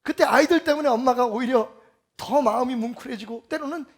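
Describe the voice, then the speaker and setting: A man giving a Sunday sermon as pastor, emphatic and full of rhetorical questions, swinging between loud and soft. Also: extremely high pitch, a little fast.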